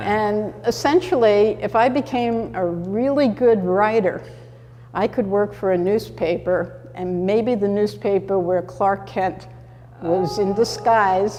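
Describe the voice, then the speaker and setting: A woman speaks very slowly with an American accent. Her pitch sits in the medium range. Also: ordinary pitch variation. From Brooklyn, New York (East Flatbush). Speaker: author. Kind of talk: talk show interview. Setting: stage with live audience.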